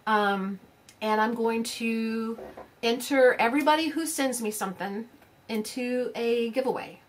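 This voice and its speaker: A woman's voice: a little high, measured pace. A woman, chatting casually to her craft channel's viewers in a rambling way, full of fillers and restarts. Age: 50s. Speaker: crafting vlogger. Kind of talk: casual chat to camera.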